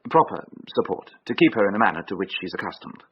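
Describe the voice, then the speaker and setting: A grasping, formal young suitor. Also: male voice, lowish voice, big pitch swings, fast, slightly rough. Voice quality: stiffly polite and formal. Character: calculating young gentleman fiancé, polite but grasping. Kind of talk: radio drama acting. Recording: dull old radio recording with faint hiss.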